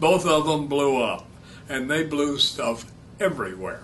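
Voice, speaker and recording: A man's bright, sharp voice with vocal fry. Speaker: drag racing announcer. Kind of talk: interview answer.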